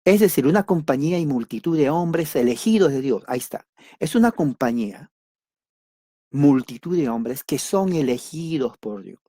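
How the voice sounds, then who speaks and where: A man teaching a church doctrine class, speaking deliberately in simple words and repeating key words for emphasis. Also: a little high, animated, mellow, dry recording, studio quality. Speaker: Bible study teacher.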